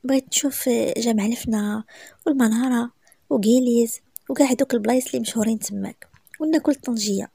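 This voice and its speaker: Shy young wife with a Moroccan accent, played by a woman; quick and breathy. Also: on the high side, warm tone, no echo, clean studio sound. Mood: eager. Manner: flustered, pleading.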